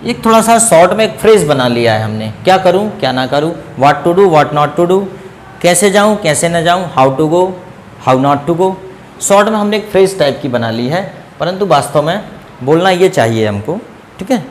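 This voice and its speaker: A man teaching English grammar in Hindi, saying example sentences slowly and often asking his students if they follow. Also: on the high side, animated, a little hiss or hum, poor audio. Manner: asks students checking questions. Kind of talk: classroom grammar lesson.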